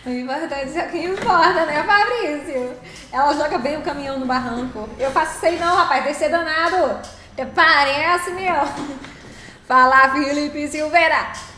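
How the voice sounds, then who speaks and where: High-voiced woman streamer. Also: normal speed, sharp tone. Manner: chatty, greets viewers by name, laughs often. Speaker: live streamer playing a truck game. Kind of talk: casual live-stream chat. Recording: roomy echo.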